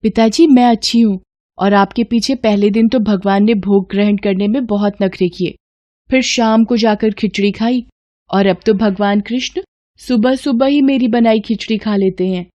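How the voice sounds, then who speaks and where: A woman's voice: mid-range voice, moderate pace, mellow, dull audio, close to an everyday voice. A woman voicing a devout, innocent and stubborn young village girl who talks earnestly and pleads with her god. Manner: earnest, pleading, chatty devotion.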